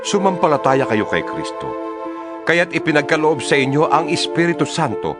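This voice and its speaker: Solemn, expressive apostle played by a man, over music. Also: fairly high pitch. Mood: solemn, fervent. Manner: solemn, exhortatory, deliberate phrasing. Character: Paul the apostle, fervent letter-writer to believers. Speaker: scripture reader. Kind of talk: dramatized audio Bible reading, scripted and declamatory. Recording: music bed under the voice. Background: background music.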